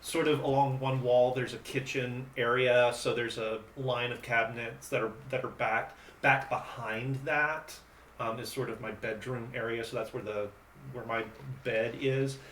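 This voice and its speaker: A man playing a tabletop roleplaying game, describing the scene in a rambling, halting way. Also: medium pitch, steady tone, fairly bright tone. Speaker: player. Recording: roomy distant mic with faint hiss.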